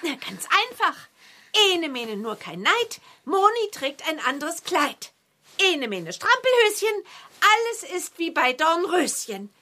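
Children's radio play: cheerful little witch girl, high, lively, sing-song and eager. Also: unhurried, slight background noise, heavily acted. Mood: eager, playful. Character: cheerful young girl witch casting rhyming spells. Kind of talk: children's audio drama acting.

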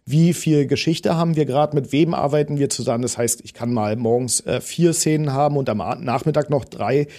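Here the Potsdam-born actor in his thirties speaks with a medium-pitched, mellow voice, brisk and with few pauses. His Berlin dialect comes through as he chats in an interview, full of fillers and restarts.

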